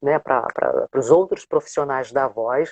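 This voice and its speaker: Speaking at a very slow pace, a woman delivers her words. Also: dry, close sound with no echo. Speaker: radio announcer. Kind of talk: interview answer, casual conversation on a live stream.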